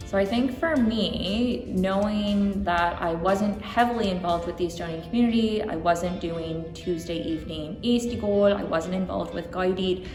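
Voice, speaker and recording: A woman's voice: fairly low pitch, a little slow, few pauses, darkish tone. A woman, answering interview questions in a reflective way, often using um and like. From Toronto, Canada. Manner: reflective, with frequent ums and likes. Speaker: interview guest. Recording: roomy hall reverb, faint music.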